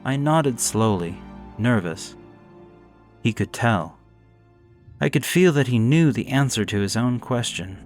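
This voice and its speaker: Male horror narrator, medium pitch: first-person, dramatic, somber, measured suspense, music underneath. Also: animated.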